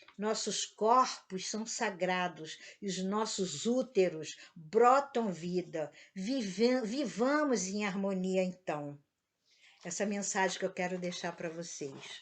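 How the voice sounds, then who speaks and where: At a very slow pace, a woman speaks at medium pitch with lively intonation. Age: 70s. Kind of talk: lecture; reading aloud.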